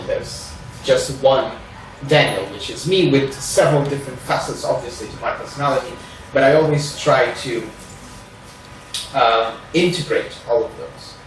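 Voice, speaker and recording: There's a little hiss or hum, and the room is very echoey with the mic far away. In a mid-range voice, a Portuguese-accented man from Portugal, speaking English as a non-native, opens a reading group at a group meeting. His introduction is careful and hedging, full of "sort of" fillers.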